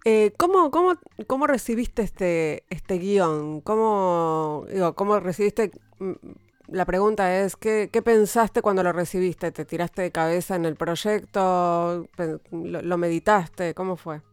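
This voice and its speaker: A woman's voice: fairly low pitch, measured pace, darkish tone, smooth, dry recording. A woman hosting an interview, often rephrasing her questions as she asks them. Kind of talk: casual interview.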